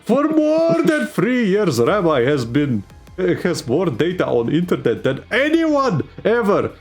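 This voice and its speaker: A boastful spam-bot huckster , as a man puts him on, pitching his links in a put-on Indian accent. The voice climbs high and sing-song, swinging up into near shouts, with faint music behind. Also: wildly swooping pitch, measured pace, full character voice. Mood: hyped. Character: pushy spam-bot salesman, adult man, boastful and overexcited.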